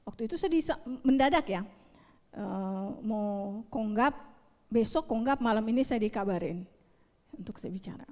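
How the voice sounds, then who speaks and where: A woman preaching a sermon at a youth service, swinging between loud urging and hushed, near-whispered prayer. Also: mid-range voice, animated, normal speed, big-room sound.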